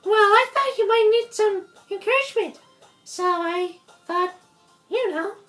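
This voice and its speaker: A woman voicing a bubbly, airheaded high-school girl in a visual novel, squeaky and excitable. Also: a little slow, soft background music. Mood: cheerful teasing. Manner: excitable, loud.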